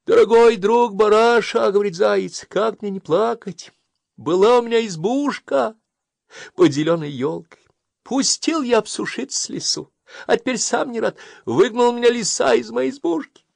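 A man's voice: animated, moderate pace, vocal fry, a little mellow, dry recording, heavily acted. A man voicing a timid little male hare who complains tearfully. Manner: high wailing plaintive voice.

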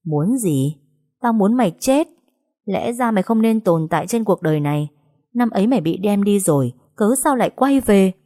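A woman's voice: on the low side, sing-song, fairly quick, darkish tone, no room sound, studio quality. A woman voicing a cruel, scheming female villain who sneers and hisses threats. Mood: sneering.

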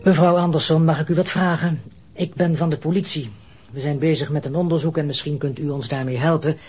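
An actor playing a polite, earnest and pressing police detective in a radio drama, explaining courteously in a husky voice. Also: male voice, a little high, steady tone, a little fast, darkish tone.

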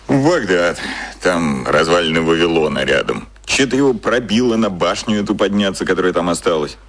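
An actor playing a cynical, cocky boss who explains things in an offhand, colloquial way, as in a radio drama. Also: male voice, sits low, animated, fairly quick, fairly bright tone, exaggerated voice. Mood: casual, businesslike. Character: cynical, cocky male boss explaining secret media machinery.

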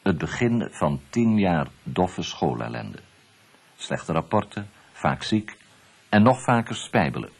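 A male journalist narrating a radio documentary in a measured storytelling tone. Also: low voice, very animated, creaky, breathy edge.

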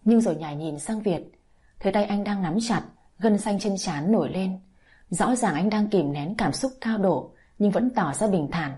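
Calm woman reading a story aloud. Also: medium pitch, normal speed, slightly rough. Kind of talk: scripted story narration.

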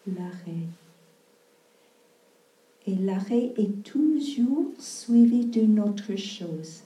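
Non-native nun giving a slow halting talk, mellow voice, far from the mic in an echoey room. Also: female voice, medium pitch. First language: not French. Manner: slow, hesitant, many pauses and searches for words. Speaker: Buddhist nun teacher. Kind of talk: dharma talk at a retreat. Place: retreat hall. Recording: roomy, distant mic.

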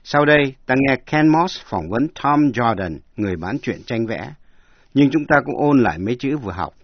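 A man's voice: mid-range voice, animated, dry recording, muffled recording. Man teaching English, spelling words out. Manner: spells words letter by letter, slow explanations. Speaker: language teacher. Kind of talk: bilingual English lesson narration.

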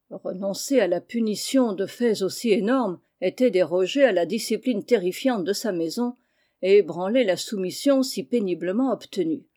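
A woman narrating a classic novel aloud in a measured storytelling manner. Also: mid-range voice, mellow. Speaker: audiobook narrator. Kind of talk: scripted literary narration.

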